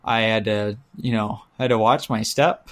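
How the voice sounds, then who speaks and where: A man co-hosting a podcast, telling everyday stories in a casual, halting way. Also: fairly low pitch, fairly even intonation. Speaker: podcast co-host. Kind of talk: casual banter and anecdotes.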